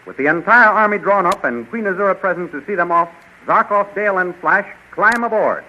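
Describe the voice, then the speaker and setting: A man narrates in the scripted style of a 1930s radio announcer. His pitch is high for a man. The recording is dull and clearly noisy, like vintage radio. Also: expressive, a little fast.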